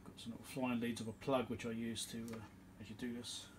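Over a noisy background, an electronics repair host talks fast and flatly in a medium-pitched voice. He rambles through a casual, hesitant, understated workbench demo indoors in his home workshop.

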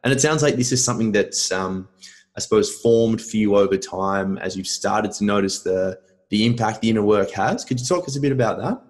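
A man in his thirties hosts a podcast from home over a video call, speaking with a fairly low voice. He is friendly and unhurried, with frequent pauses and ums as he shapes his questions. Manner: friendly, hesitant, many ums. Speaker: podcast host. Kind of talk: casual interview chat. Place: home room, indoors. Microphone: video call with earphone mic.

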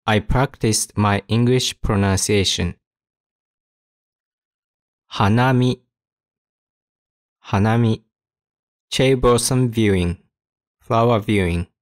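A man teaching vocabulary, saying each word and example sentence twice, slowly and carefully, then giving its meaning. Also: fairly low pitch, no room sound, clean studio sound. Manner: slow, careful enunciation with repetition. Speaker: Japanese teacher.

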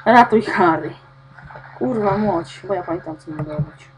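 A woman's voice: fairly low pitch, a little slow, very noisy. A woman playing a video game, talking to herself and swearing constantly as she gets lost and frustrated. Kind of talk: swearing gameplay commentary.

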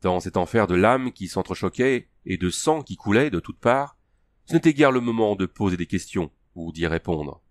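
A man reading a fantasy audiobook aloud in a steady, measured storytelling manner. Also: fairly low pitch. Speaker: audiobook narrator. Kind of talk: scripted narration of a fantasy story.

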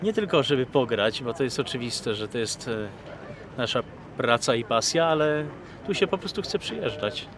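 A man in his fifties talking casually in an outdoor interview, relaxed and chatty with fillers. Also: mid-range voice, normal speed. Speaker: band member interviewed. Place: outdoors by a lake. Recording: crowd noise behind.

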